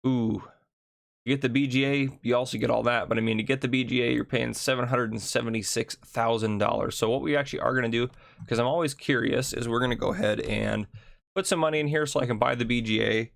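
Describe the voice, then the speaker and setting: A man hosting a casual video game map tour, chatty and thinking aloud, his voice gravelly from just waking up. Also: mid-range voice, fairly even intonation, no room sound. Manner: chatty, thinks aloud with ums and quick asides. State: gravelly morning voice. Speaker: gaming channel host.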